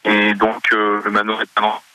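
A man speaks over a glitchy, robotic mobile line that breaks up and drops out. His voice is very bright and sharp, and he speaks haltingly with plenty of fillers. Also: fairly low pitch, completely flat delivery. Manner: hesitant, with many fillers. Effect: glitchy robotic phone line. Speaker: manor owner interviewed by phone. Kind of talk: radio phone interview.

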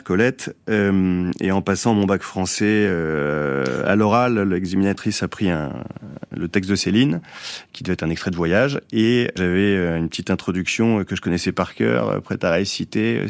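Radio guest, man with a deep gravelly voice, halting, dry studio sound. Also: no room sound. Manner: hesitant, many fillers and restarts. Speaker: guest, descendant of a writer. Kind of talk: radio interview answers.

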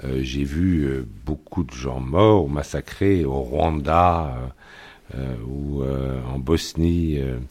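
A man's voice: rumbling low, takes it slowly, a little mellow. A male journalist speaking as a guest in a radio debate, hesitant and full of fillers.

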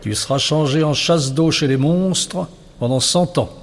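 A man's voice: fairly high pitch, a little slow, pitched above the performer's own voice. A man voicing a teasing nightmare creature. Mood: mock-menacing. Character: tiny crawling nightmare creature, playful, teasing.

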